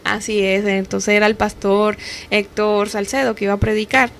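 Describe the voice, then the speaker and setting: A woman's voice: medium pitch, level tone, moderate pace, a little hiss or hum. A young woman with a Dominican accent giving a personal faith testimony as a radio guest, telling her story earnestly and acting out the dialogue she quotes.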